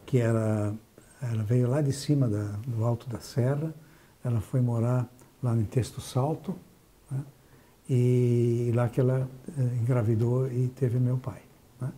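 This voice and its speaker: An older man from southern Brazil with a very dark, mellow voice, reminiscing about his past as a TV interview guest. He speaks reflectively, restarting and trailing off as memories come back. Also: medium pitch, steady tone, unhurried. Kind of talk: recalling his life in an interview.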